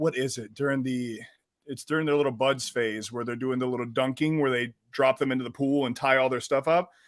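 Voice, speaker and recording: The speaker has a strong Minnesota accent. The pace is fairly quick. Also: man. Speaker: fitness coach and army veteran. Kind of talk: podcast interview. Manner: energetic.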